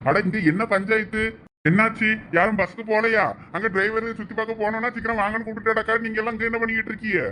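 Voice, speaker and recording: A man playing a tour group organiser in a village comedy skit. He talks briskly and bossily to the group, then gently reassures a woman. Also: high voice, little pitch movement, slight background noise. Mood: hurried.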